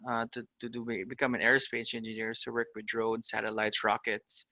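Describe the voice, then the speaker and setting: A fintech startup founder from the Philippines appears as a guest on a casual podcast, telling his career story upbeat and in long runs packed with "uh" and "you know." His medium-pitched voice is bright and forceful with vocal fry, and the recording sounds dry and muffled.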